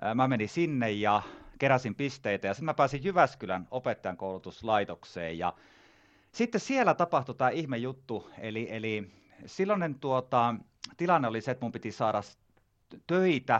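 A man with a Northern Ostrobothnian accent talks at a moderate pace and a medium pitch. His intonation is lively. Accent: Haapajärvi dialect. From Finland, Haapajärvi (Northern Ostrobothnia). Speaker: coach and author. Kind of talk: podcast interview. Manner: animated, enthusiastic.

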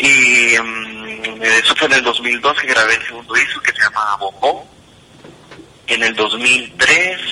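Talking at a very slow pace over noticeable background noise, a man uses a medium pitch. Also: ordinary pitch variation. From Guatemala, Quetzaltenango. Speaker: singer-songwriter. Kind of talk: interview. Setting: remote call.

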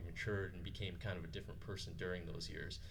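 A fairly low-pitched man with an American accent and ordinary pitch variation, heard over noticeable background noise. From New York. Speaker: guest. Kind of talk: casual interview chat.

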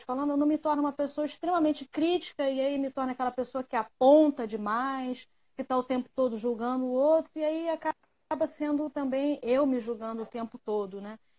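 At a fairly quick pace with hardly any pauses, a woman speaks in a high pitch and fairly even intonation. The sound is dry and close, without echo. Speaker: caller. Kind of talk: casual chat. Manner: halting. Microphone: connection cutting out.

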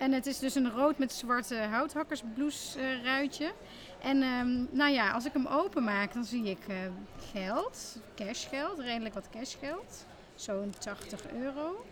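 Here a woman speaks at a very slow pace. Her voice is high in pitch with ordinary pitch variation. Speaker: podcast host, money coach. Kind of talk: interview. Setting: bistro at a railway station.

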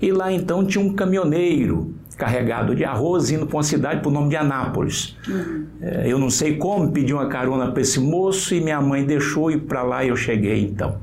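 Through noticeable background noise and audible room echo comes a man's fairly high voice, moving at a fairly quick pace with ordinary pitch variation and very even loudness. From central Brazil (Goiás/Tocantins). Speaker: businessman and politician. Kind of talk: interview.

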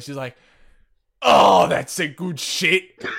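The speaker performs a put-on character voice. It sounds gruff. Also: man, fairly high pitch for a man.

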